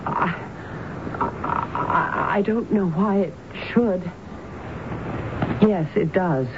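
An actress playing a frantic, distraught married woman in a radio drama, halting and nervous as she pleads for help. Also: on the low side. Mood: nervous, guarded. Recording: noisy, phone-like old radio recording.

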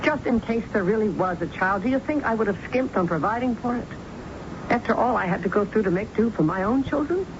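An actress playing a domineering, wounded middle-aged businesswoman and mother with an American accent, brisk and emphatic in a radio drama. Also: lively intonation, lightly acted. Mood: pleading. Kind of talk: 1970s radio drama acting. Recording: muffled, noisy, rumbly old radio broadcast recording.

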